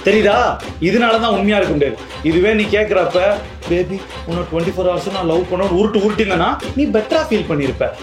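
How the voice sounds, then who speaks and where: Actor as fast-talking, exasperated young boyfriend. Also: male voice, high voice, lightly acted. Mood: blunt, candid. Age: young adult. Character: exasperated young boyfriend, bluntly honest and defensive. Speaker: actor in a comedy short. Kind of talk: naturalistic colloquial phone dialogue. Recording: roomy echo under loud music.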